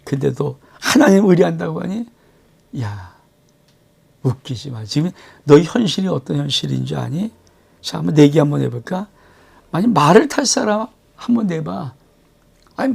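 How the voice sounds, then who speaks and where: A man's voice: fairly high pitch, lively intonation, normal speed, gravelly, a little mellow, slightly rough, exaggerated voice. A man voicing an arrogant foreign army commander who taunts with mocking, sneering talk. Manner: mocking, sneering casual speech.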